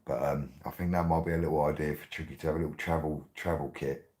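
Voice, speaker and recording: A man, hosting his radio show in a rambling, excitable way, laughing often. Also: very deep voice, quick pace. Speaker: radio host. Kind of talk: casual monologue.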